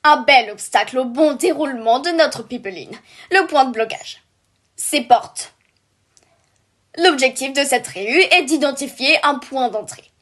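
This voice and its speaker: Female killer robot manager, voiced by a woman, high pitch, unhurried delivery, forced office cheer, animated fan dub. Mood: brisk, businesslike. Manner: chirpy office jargon, forced professionalism. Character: peppy corporate-minded female killer robot squad leader, brittle composure.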